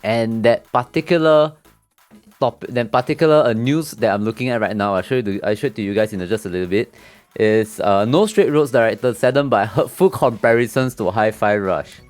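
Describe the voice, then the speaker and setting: A man's voice: a little fast, no room sound, soft background music. A man hosting a casual games talk show, loose and chatty with many fillers and restarts. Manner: mocks angry gamers in a high put-on voice. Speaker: podcast host. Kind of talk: casual group chat about games.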